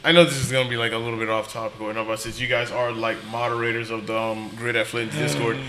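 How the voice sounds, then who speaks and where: A man's voice: medium pitch, level tone, fast talker, background noise. A man hosting a podcast in a casual, conversational style. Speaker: podcast host. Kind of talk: casual chat.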